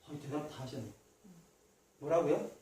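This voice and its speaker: A male pastor preaches a Sunday sermon in a church sanctuary, chatting with his congregation and quizzing them directly. His voice sits a touch high and carries a roomy echo. He stands somewhat back from the mic, over a faint hiss. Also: moderate pace, warm tone, far from the mic. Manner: conversational preaching, asks the congregation questions directly.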